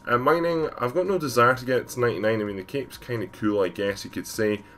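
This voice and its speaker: A man with a deep voice and a cold, rambling casually through a gameplay voiceover with many fillers. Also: quick pace, a bit bright. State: has a cold, stuffy. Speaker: gaming YouTuber.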